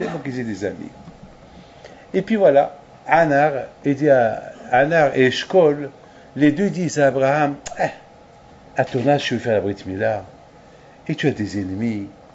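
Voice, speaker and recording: Speaking at a fairly slow pace with long, frequent pauses, a man uses lively intonation and a fairly high pitch. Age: 60s. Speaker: rabbi giving Torah lessons. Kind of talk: Torah lesson. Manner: halting, repetitive.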